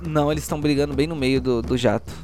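A man's voice: mid-range voice, steady tone, quick pace, music in the background. A man with a Brazilian accent improvising narration as game master, describing action step by step and checking back with players.

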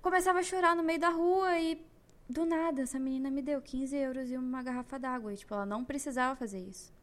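A young Brazilian woman with a Brazilian Portuguese accent, hosting a podcast and telling a personal story in an emotional, animated way. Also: high-pitched, fast talker. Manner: emotional, animated retelling with slang. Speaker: podcast host.

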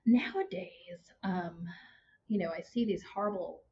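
A woman's voice: medium pitch, a little slow, gravelly. Chatty Texan woman, muffled noisy recording. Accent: Texas. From Houston, Texas, born in Vietnam. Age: 40s. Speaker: podcast guest. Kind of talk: casual conversational interview. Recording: muffled with steady background noise.

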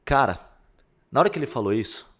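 A man's voice: mid-range voice, fast. A young man, a podcast co-host telling a personal story in casual chat, acting out the dialogue with lots of slang. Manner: animated storyteller, acts out dialogue with shifting voices, peppers speech with slang.

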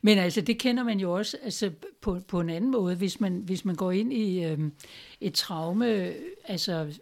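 Woman guest explaining calmly. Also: fairly low pitch. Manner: explanatory, frequent tag questions. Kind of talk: reflective conversation.

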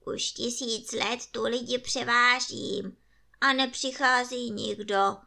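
Žena hrající prastarou převoznici. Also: female voice, a little high, steady tone, vocal fry, bright, forceful tone. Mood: plaintive. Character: ancient old ferrywoman, weary.

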